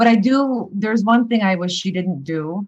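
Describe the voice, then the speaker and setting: Somewhat breathy, a woman speaks in an American accent with ordinary pitch variation. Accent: sounds American. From Jordan. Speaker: mother of four, dog owner. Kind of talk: casual chat.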